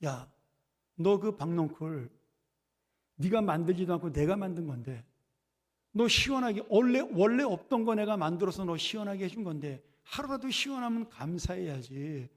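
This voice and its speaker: Man voicing a gentle God, slow calm questions, echoing sanctuary. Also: high voice. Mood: coaxing. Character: patient gentle male God, coaxing. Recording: long church reverb.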